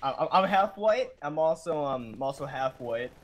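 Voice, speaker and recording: A man's voice: on the high side, lively intonation, moderate pace. A young man as a guest in a casual gaming chat, joking along in a laid-back way. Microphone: webcam or headset at home.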